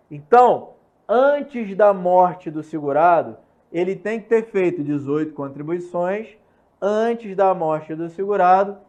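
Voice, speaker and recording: A young man with a Brazilian Portuguese accent teaching an online law lesson, repeating key points and checking in with quick questions. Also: high voice, a little mellow. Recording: slightly muffled lo-fi recording.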